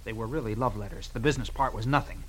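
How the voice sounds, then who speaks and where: An actor playing an excitable, anxious American man, a married woman's lover, halting and nervous in an old radio drama. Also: mid-range voice, natural voice. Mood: uneasy. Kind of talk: 1940s-50s radio drama acting. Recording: noisy vintage radio recording.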